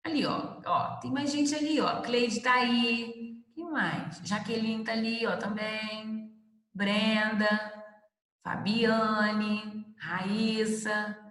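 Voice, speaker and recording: A woman's voice: on the high side, fairly even intonation, drawn-out words, fairly bright tone, roomy sound, in a large hall, low-quality recording. A woman lecturer giving a conversational class, addressing students by name and asking them questions. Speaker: university lecturer.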